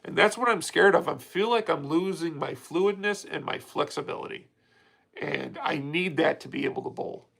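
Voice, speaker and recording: Gravelly-voiced man in his thirties. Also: fairly high pitch, moderate pace, fairly bright tone, poor audio. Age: 30s. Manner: rambling, candid, frequent restarts. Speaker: livestream host. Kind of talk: casual livestream chat reading comments.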